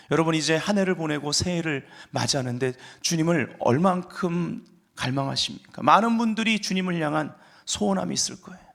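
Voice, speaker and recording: A man's voice: on the high side, vocal fry, fairly bright tone. A man preaching a Sunday sermon as pastor, explaining scripture and rising to fervent emphasis.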